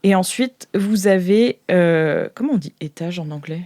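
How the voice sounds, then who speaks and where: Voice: medium pitch, animated, a little slow, a little mellow, dry recording. Hesitant game master in a very dry recording. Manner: hesitant, searching for words. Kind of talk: improvised tabletop role-play narration, casual chat.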